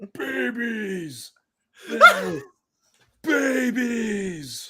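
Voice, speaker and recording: A man puts on a character voice that is high in pitch and menacing in tone. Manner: gruff, menacing, exclaiming.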